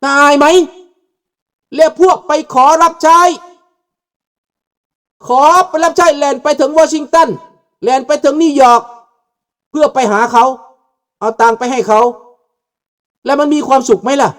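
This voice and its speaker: A man's voice: extremely high pitch, unhurried, pauses often, fairly bright tone. An older man giving a fiery political talk, mixing Thai and Lao and often asking the audience questions. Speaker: political commentator. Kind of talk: impassioned political monologue. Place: abroad, outside Laos.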